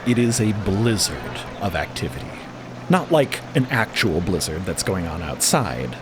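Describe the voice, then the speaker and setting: Low-pitched man, wry story narrator. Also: big pitch swings, moderate pace, noisy background. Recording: music bed behind voice.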